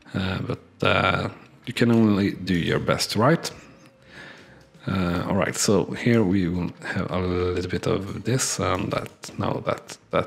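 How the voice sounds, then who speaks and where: A man's very deep, low voice with ordinary pitch variation, at a fairly slow pace, over noticeable background noise. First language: not English. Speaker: gaming YouTuber. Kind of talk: let's play commentary. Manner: halting, many uh fillers; relaxed, gentle.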